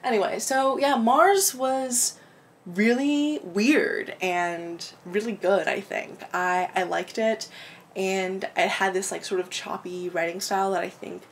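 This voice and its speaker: A book vlogger speaks slowly and steadily at medium pitch, her throat clogged, casually chatting about books she read from a room at home with the window open. She rambles, laughs and swears freely, and there's slight background noise.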